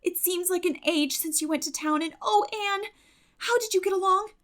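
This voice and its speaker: A very high, excitable teenage girl, voiced by a woman reading a storybook. She is an affectionate best friend who stresses her words effusively, leaping well up in pitch. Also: moderate pace. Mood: delighted.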